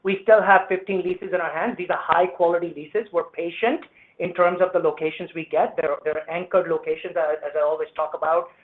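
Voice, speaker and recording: A man's voice: fairly high pitch, steady tone, fairly quick. A man speaking as a company executive, giving confident, salesy answers to analysts on an earnings call. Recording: narrow, tinny conference phone line.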